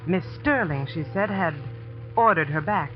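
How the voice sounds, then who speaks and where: An actress playing a spirited young female teacher who narrates her story in a 1940s radio drama, brisk and indignant. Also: fairly low pitch, expressive, close to an everyday voice. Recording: dull old radio broadcast with music.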